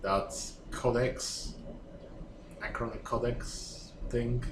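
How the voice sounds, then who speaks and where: Mid-pitched man chatting in an echoey room. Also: fairly even intonation, drawn-out words. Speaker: tabletop game player. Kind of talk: casual table chat. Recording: echoey room with faint background noise.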